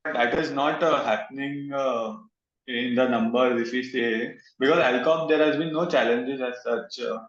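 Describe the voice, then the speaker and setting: A man with an Indian accent asking questions as an analyst on a conference call, with halting, hesitant phrasing. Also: mid-range voice, fairly bright tone. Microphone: conference call line. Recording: roomy, dull conference-call line.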